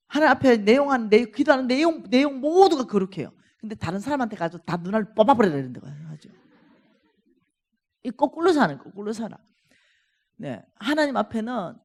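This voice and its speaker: Woman revival preacher, lively swooping delivery, emphatic scripture reading. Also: a little high. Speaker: revival meeting speaker. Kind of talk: sermon. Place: church.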